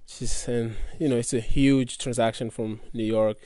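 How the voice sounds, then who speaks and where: Young man, dark voice. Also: mid-range voice, steady tone, normal speed, dry recording, clean studio sound. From Congo. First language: French. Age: young adult. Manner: earnest, loose phrasing with many fillers. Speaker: college athlete guest. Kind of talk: casual interview answers.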